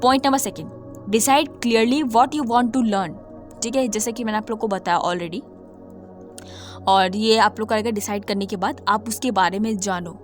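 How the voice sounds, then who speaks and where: Woman tutor with a slightly hoarse throat, emphatic and repetitive, over soft background music. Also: medium pitch, moderate pace. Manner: emphatic, repeats points, mixes English terms into speech. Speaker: coding tutor. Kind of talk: casual talk-to-camera lesson.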